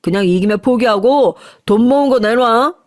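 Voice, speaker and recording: A woman's voice: fairly high pitch, moderate pace, no echo, studio quality, natural voice. A woman voicing a rude, greedy young man who bullies his younger sister. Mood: sneering. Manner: sneering, bullying. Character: rude greedy young adult older brother.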